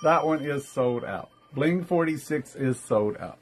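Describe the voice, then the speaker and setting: A man's voice: mid-range voice, expressive, a little slow, heavy background noise. A man hosting a casual live-stream jewelry sale, chatty and upbeat, greeting viewers by name as he shows each piece.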